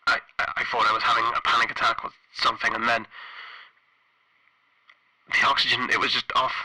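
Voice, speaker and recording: A man playing a frightened, stranded spaceship engineer recording an audio log for a horror roleplay, halting and stammering through a radio filter. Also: medium pitch, flat delivery, pushed and bright, poor audio. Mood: panicked, dread. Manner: halting, stammering, anxious repetitions. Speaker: solo tabletop roleplayer.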